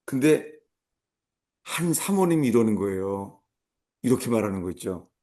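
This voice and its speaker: A middle-aged male pastor giving a sermon, telling a humorous personal story and acting out shouted commands. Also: lowish voice, big pitch swings, moderate pace.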